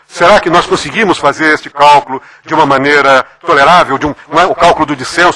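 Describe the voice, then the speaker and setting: A man speaks at a fairly quick pace. His pitch is fairly high, and there is noticeable background noise. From Brazil. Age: 60s. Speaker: law professor. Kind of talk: conference talk. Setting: conference hall with audience.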